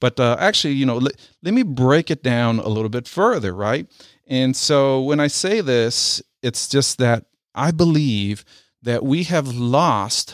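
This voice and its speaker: A man with an American accent speaks at a fairly slow pace, his medium-pitched voice rising and falling in a lively way. The recording is very clean, with a silent background and a dry, close sound with no echo. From Southern California. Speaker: podcast host. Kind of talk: casual monologue. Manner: halting, many fillers and repeated words.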